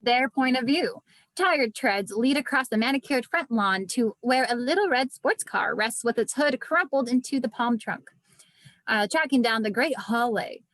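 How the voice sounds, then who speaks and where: High-voiced woman reading stage directions. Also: animated, moderate pace, fairly bright tone, no room sound, low-quality recording. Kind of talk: scripted narration, table read of screenplay.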